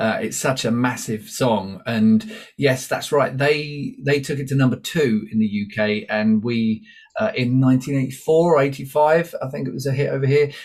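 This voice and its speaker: A man's somewhat breathy voice with ordinary pitch variation at a moderate pace. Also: medium pitch for a man. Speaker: singer. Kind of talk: interview answer. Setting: remote video call from small studio.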